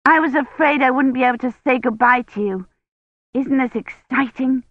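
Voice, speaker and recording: A woman's voice: high-pitched, normal speed, no echo, voice pushed up. An earnest young woman historian, voiced by a woman reading a novel, eager and reassuring in tone. The recording is dry and close, with a slightly dull, lo-fi sound.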